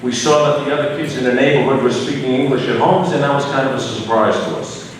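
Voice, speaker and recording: A middle-aged man giving an earnest, measured prepared speech. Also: mid-range voice. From United States. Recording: echoey hall from far off, noisy.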